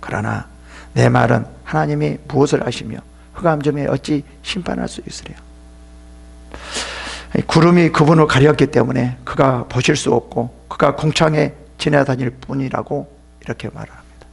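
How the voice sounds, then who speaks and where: A man's voice: medium pitch, normal speed, gravelly, breathy edge. A man pastor giving an emphatic sermon at a church seminar, addressing listeners sharply and sometimes dropping into a whisper.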